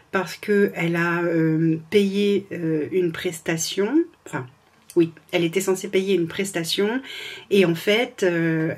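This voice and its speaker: A woman's voice: on the low side, darkish tone, slightly rough. A woman from France, a freelance administrative assistant, chatting casually in a vlog from home with a sore throat, hesitant with many fillers and restarts.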